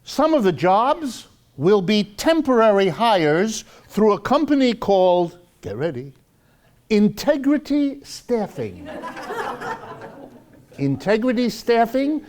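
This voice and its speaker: A man's voice: high voice, big pitch swings, slow pace, darkish tone. An American man giving a live public lecture, sarcastic and emphatic, drawing out key words for effect. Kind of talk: live lecture with read-out quotes and commentary.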